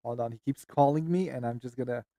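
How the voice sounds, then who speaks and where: A man's voice: mid-range voice, quick pace, mellow, no echo, clean studio sound. A man hosting a casual stream chat, often distracted and muttering to himself while he fixes his screen. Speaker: streamer host.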